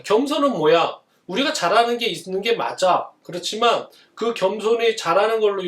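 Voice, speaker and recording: Lively high-voiced man preaching to children. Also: echoey room, far from the mic. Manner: animated, asks children questions and answers them. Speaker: pastor. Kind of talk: children's sermon. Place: church.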